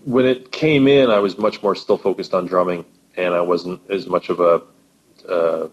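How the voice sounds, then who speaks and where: A man with a low, husky voice talks casually as a guest. He stops and restarts often while he hunts for his words. His voice comes through a dull, lo-fi line. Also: fairly even intonation. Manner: halting, restarts, searches for words. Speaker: guest podcaster and musician. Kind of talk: casual chat.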